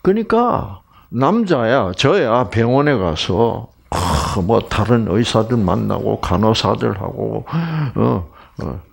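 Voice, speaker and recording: An older man from Korea lecturing on health in a lively, rambling way. His gravelly, husky voice swings widely in pitch. He talks slowly and keeps checking in with his listeners. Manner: chatty, animated, frequent fillers and asides to audience. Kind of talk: health lecture with personal stories.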